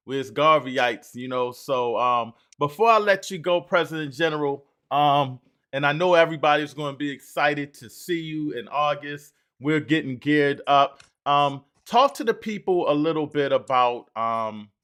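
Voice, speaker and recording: A man's voice: medium pitch, fairly bright tone. An older man hosting a podcast, talking loosely with many fillers and restarts. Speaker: podcast host. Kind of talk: casual interview talk.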